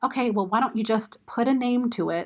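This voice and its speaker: With an animated tone and lively intonation, a woman speaks at a moderate pace. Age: 40s. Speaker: podcast host, women's empowerment coach. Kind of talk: solo motivational talk. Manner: conversational, animated.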